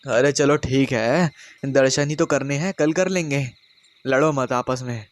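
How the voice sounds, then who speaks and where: An older father-in-law calms a family quarrel in slow, soothing tones in a spoken horror story. A man plays him, slowing well down from his narrating pace. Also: mid-range voice, no room sound, close to an everyday voice.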